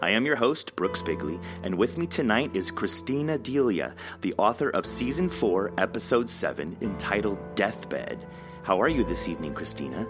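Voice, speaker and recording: A man with an American accent hosts a relaxed interview podcast. His voice sits on the low side and moves up and down a lot. He talks informally and effusively, in halting phrases, over faint music. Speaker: podcast host. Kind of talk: casual interview chat.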